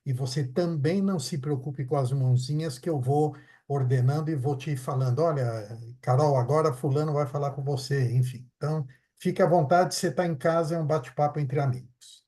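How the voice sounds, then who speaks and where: A man's voice: a little high, a little fast, warm tone. A man hosting an online talk, welcoming and reassuring his guest over a video call. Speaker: host.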